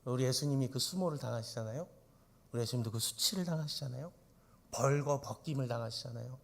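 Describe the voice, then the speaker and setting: A man's voice: medium pitch, fast talker, vocal fry. A male pastor preaching an emphatic sermon in church, often turning to the congregation with rhetorical questions.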